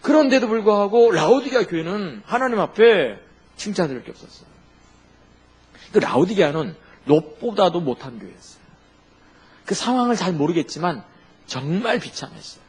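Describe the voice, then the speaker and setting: A man's voice: high-pitched, big pitch swings, moderate pace, long pauses, a little mellow, husky. A man preaching a sermon as a pastor, asking the congregation questions and answering them himself.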